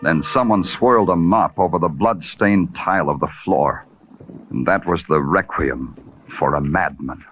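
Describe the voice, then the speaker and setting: A man's voice: sits low, moderate pace, noisy background, close to an everyday voice. Man playing a hard-boiled radio detective. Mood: brooding. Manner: terse, hard-boiled, brooding. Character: hard-boiled male police detective, adult. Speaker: detective and narrator. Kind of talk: 1940s radio acting. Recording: muffled old radio recording with loud music.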